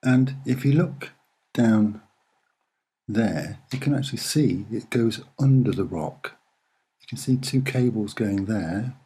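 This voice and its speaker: Slow, soft-spoken man with a husky voice. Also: lowish voice. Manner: soft-spoken, hesitant and deliberate, with short phrases. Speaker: amateur presenter explaining photographs. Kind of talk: unscripted soft-spoken commentary over images.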